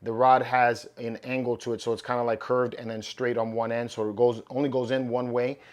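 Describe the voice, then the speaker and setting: Guy doing a casual unboxing vlog, bit hoarse, upbeat and chatty, mid pitch. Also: little pitch movement, brisk. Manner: upbeat, loose and chatty with fillers. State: losing his voice, slightly hoarse. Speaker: collectibles channel host.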